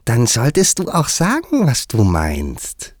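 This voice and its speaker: A man voicing a cheeky, mischievous hare in a high, drawn-out, teasing voice. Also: huge pitch swings, darkish tone, no room sound, clean studio sound, full character voice. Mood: mocking. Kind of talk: audiobook character voice.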